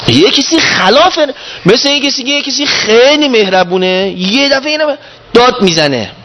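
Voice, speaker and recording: A man teaching a class on a prayer text, reciting verses slowly and asking his listeners questions. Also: very high-pitched, big pitch swings, pushed and bright, a little hiss or hum. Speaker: religious teacher. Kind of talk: lecture explaining a prayer text.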